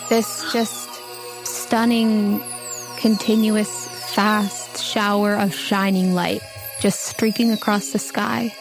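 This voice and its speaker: A woman acting as game master, describing the scene of a tabletop game in short, measured phrases with pauses. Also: medium pitch, flat delivery, poor audio. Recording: music playing under the voice.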